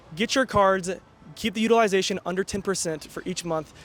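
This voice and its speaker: The speaker is a man with a high-pitched voice. His pitch varies in an ordinary way. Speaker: fitness and self-improvement vlogger. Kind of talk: casual vlog monologue. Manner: fast; halting, many fillers.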